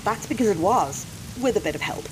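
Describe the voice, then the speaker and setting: Lively, cheeky woman playing a time traveller. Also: medium pitch, brisk, noisy background, natural voice. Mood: brisk, knowing. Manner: flippant, colloquial. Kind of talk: comedy audio drama acting.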